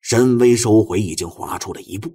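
Male audiobook narrator for suspense fiction: low, very raspy voice, theatrical, swinging from hushed to forceful. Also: a little fast.

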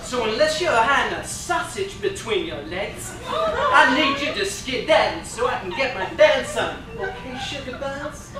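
A man's voice: extremely high pitch, sing-song, a little slow, heavily acted. A man playing a flamboyant, sassy, self-pitying gay werewolf in a staged comedy reading, full of campy pet names. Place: indoor stage, recorded from the audience by far camera. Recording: distant, echoey theater, noisy background.

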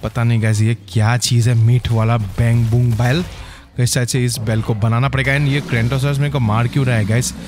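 A man hosting his gaming channel, giving excitable gameplay commentary and calling out to his viewers constantly. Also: mid-range voice, normal speed, over music. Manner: excitable, keeps saying "guys".

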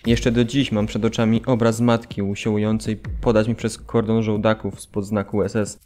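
A man's voice: on the low side, little pitch movement, moderate pace, darkish tone, close to an everyday voice. A man acting a grave former prisoner, reading his memories solemnly and with restraint in an audio drama. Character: grave male former prisoner remembering deportation. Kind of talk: dramatised documentary memoir reading.

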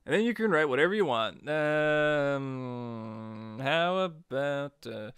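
A man narrating a software tutorial in a chatty, informal way, guiding step by step. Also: on the high side, animated, slow pace, clear, resonant tone, dry recording. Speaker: tutorial host.

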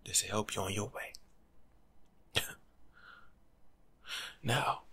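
A young American man giving soft-spoken ASMR advice in a slangy, teasing, lecturing way, often slipping into a breathy whisper. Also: fairly low pitch, takes it slowly. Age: young adult. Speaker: ASMR creator playing a life coach. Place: small home room, seated indoors.

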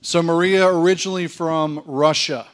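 A man's voice: a little high, fairly even intonation, moderate pace, a little hiss or hum. A man in his thirties hosting an awards gala, introducing an honoree in a polished announcing manner on a handheld mic. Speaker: event host.

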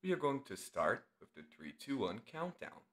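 A man leading a guided meditation as the instructor, speaking in short, deliberate phrases with long pauses. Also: medium pitch, very animated, a bit bright.

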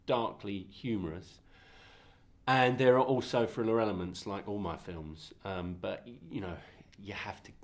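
Deep-voiced congested man. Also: unhurried. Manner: rambling, many restarts and laughs. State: congested from a cold. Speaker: filmmaker being interviewed. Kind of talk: casual press interview. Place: festival press room, indoors. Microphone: handheld mic held by interviewer.

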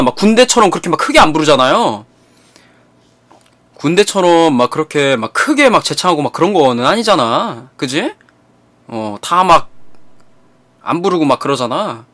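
Bright, lively young man telling a story. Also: on the high side. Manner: animated, repetitive, profane retelling. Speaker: streamer. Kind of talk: casual storytelling to viewers.

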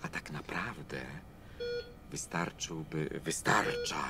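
A man's voice: very deep voice, slow, exaggerated voice. An actor playing a devoted older monk and godfather in a radio drama, speaking eloquently and with feeling. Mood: reflective. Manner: eloquent, emotive, swinging from hushed to exclaiming.

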